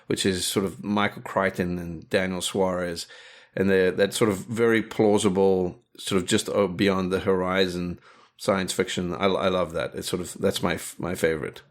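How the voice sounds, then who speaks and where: A man's voice: deep voice, level tone, normal speed. A middle-aged man from South Africa, a director talking casually in an interview, rambling with many restarts and fillers. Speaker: guest, director and animator.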